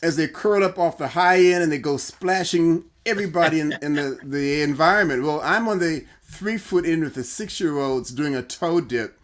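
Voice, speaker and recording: A man's voice: fairly high pitch, normal speed, few pauses. A man hosting a casual livestream debate, rambling playfully and laughing often as he questions his guest over a video call. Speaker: host.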